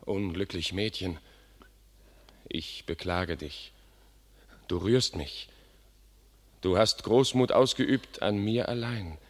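An actor playing a defiant, proud English prince and warrior in a classic radio drama, declaiming with passion. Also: male voice, sits low, slow, long pauses. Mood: pitying, urgent. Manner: declamatory, impassioned. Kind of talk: classic German stage-style radio drama acting.

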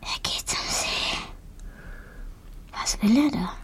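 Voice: takes it slowly, a bit bright, in a whisper. A performer playing a curious, insistent young boy in a radio play, speaking in short, simple, wondering phrases. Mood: whispered awe.

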